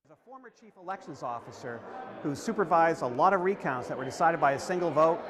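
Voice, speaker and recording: A man, a political candidate, giving steady, earnest remarks at a campaign event. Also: on the high side, fast, a crowd in the background.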